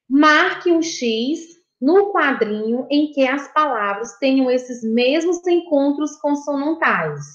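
Woman, Brazilian Portuguese accent, schoolteacher, patient and encouraging, muffled echoey recording. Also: sits high. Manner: slow, patient, repeats and praises children. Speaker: primary school teacher. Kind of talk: recorded video lesson for children. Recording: dull, echoey room.

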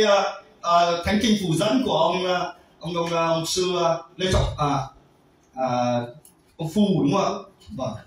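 A man preaches a sermon, his high voice leaping between soft asides and loud emphatic cries. He sounds distant from the mic. A long, booming echo fills the hall around him. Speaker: pastor. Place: church hall. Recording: very echoey hall, voice from far off.

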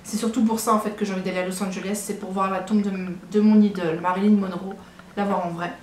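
A woman's voice: medium pitch, flat delivery, fast, a little mellow. A woman in her early twenties from Brittany, chatting casually to camera in a hesitant, rambling way. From Brittany, France. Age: early 20s. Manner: rambling, hesitant, repeats herself. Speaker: vlogger presenting herself. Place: small living room at home, indoors. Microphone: compact camera on tripod, about a metre away. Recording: echoey room, clear background noise.

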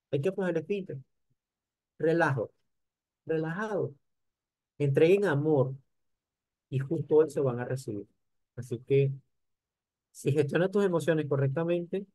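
An older man delivers an animated motivational lecture. His voice sits a little high yet sounds warm and mellow. It is recorded dry, with almost no room sound. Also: normal speed, long pauses, no room sound. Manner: animated, addresses the audience directly. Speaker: conference speaker.

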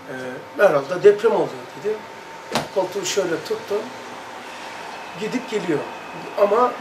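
A man leading a religious study circle, earnestly recounting a personal experience and reading aloud, acting out sounds with emphatic, drawn-out words. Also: high voice. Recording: echoey room, distant mic, light noise.

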